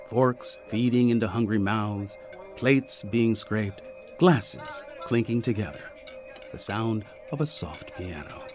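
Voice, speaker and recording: A man's voice: fairly low pitch, takes it slowly, faint music behind. A man narrating a scripted audio drama as an arch, dramatic storyteller.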